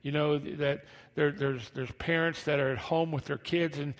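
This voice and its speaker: A man preaching a conversational sermon as a pastor, halting and repeating phrases, his speech slightly slurred by missing teeth. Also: a little high, fairly even intonation. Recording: long hall reverb.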